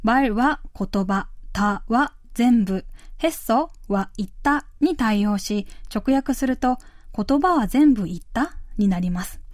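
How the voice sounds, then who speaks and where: A woman hosting a language course, explaining phrases clearly and slowly in scripted narration. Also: fairly high pitch, expressive, a little mellow, dry recording, studio quality. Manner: clear, careful explanation with slow model phrases.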